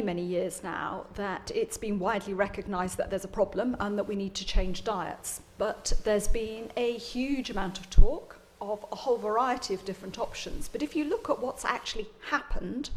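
A woman answers an audience question at a public lecture. She talks as an expert, measured and explanatory. She rises in pitch when she stresses a point. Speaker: invited expert speaker.

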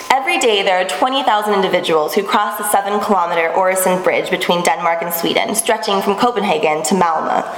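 A woman in her twenties giving a measured academic presentation to a panel in a small seminar room. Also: mid-range voice. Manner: clear, measured lecturing with occasional restarts. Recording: echoey room with long reverb, faint background noise.

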